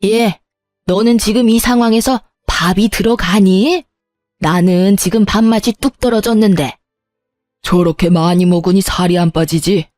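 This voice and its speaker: A woman reading as a sharp-tongued middle-aged mother-in-law, nagging and sarcastic. Her voice is dark and mellow, set in a dry, close recording with faint music underneath. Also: medium pitch, unhurried, dry recording, close to an everyday voice. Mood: scornful. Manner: scolding, sighing, sarcastic.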